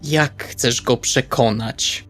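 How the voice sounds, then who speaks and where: A man's voice: medium pitch, slow, fairly bright tone. A man playing in a tabletop role-playing session, talking casually and partly in character. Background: background music.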